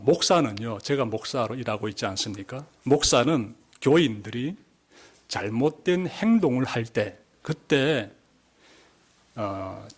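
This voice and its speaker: Male pastor, mid-range voice, measured church sermon, repeats key words and lifts his voice for emphasis. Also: mid-range voice. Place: church sanctuary.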